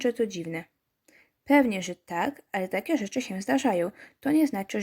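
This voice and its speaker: A woman reads a story game aloud in a mid-pitched voice. She keeps stopping to add wry, chatty comments for her viewers, in the easy tone of a let's-play. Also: darkish tone.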